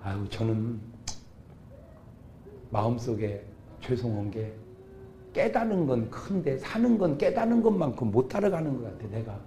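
A middle-aged man preaching a humorous revival sermon, acting out quarrels between couples in sudden loud outbursts. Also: mid-range voice, very animated, moderate pace, pauses often, a little hiss or hum. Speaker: pastor.

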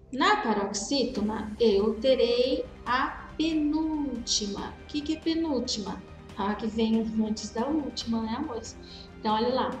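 Brazilian woman teacher, patient, stretches out examples; roomy recording with soft music underneath. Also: fairly high pitch. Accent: Brazilian Portuguese. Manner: patient, drawn-out spelling of examples, calls students dear. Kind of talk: recorded grammar review lesson. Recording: roomy echo with faint music.

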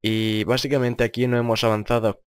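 A man's voice: little pitch movement, brisk, clean tone, no echo, studio quality. A young man with a grave voice, improvising casual gameplay commentary in a serious, rambling way and often repeating himself. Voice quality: deep, grave voice. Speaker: gaming video creator.

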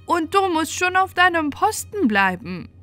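A woman's voice: extremely high pitch, very animated, a little slow, sharp tone, soft background music, pitched above the performer's own voice, exaggerated voice. A woman voicing a mysterious little man in a fairy tale, giving stern, emphatic orders. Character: little mysterious male manikin, commanding and stern.

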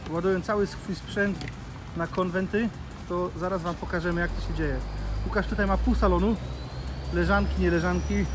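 A man in his thirties from Poland, chatting casually and jokily to camera as a vlog host on a handheld phone. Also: high voice. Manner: jokey, informal. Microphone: phone at arm's length. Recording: handheld phone with music underneath. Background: music.

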